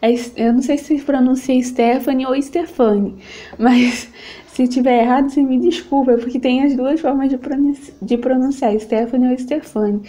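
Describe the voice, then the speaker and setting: Brazilian woman vlogger, young, high and mellow voice, gushing, self-filmed at home. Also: steady tone, moderate pace. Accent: Brazilian Portuguese. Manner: gushing and affectionate, keeps calling out to viewers. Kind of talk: casual unboxing vlog. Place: at home, at a table. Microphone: camera set up on the table.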